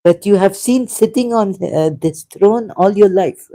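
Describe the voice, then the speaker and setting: A non-native English speaker hosting a solo video, rambling casually in a halting, giggly, digressive way and reading out bits of anecdote. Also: mid-range voice, mellow. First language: not English.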